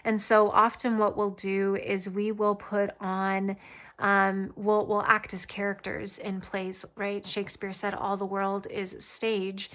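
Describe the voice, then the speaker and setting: A woman host giving a casual channeled spiritual reading, often pausing mid-thought as if listening. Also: mid-range voice, completely flat delivery, a bit bright. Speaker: tarot reader and channeler, host.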